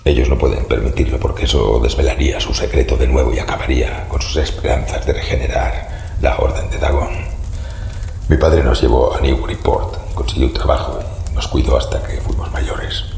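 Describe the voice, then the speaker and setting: Un actor que interpreta a un hombre mayor, siniestro y cortés, de linaje maldito, con voz rasposa y tono solemne en una audioserie de terror. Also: male voice, a bass voice, level tone, a little mellow, exaggerated voice. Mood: grave, ominous. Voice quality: gravelly, rasping, breathy. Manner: slow, formal, ominous storytelling. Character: sinister older man descended from cursed fish-like cultists, grave, courteous. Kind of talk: horror audio drama acting. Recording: echoey reverberant room, faint noise.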